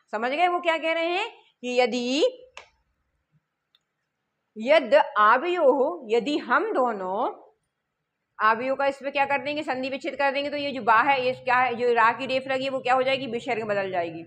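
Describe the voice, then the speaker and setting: A woman teaching a lesson, reading lines slowly, then explaining them quickly and asking her students questions. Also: high voice, a bit bright. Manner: explains step by step, asks the class questions and answers them.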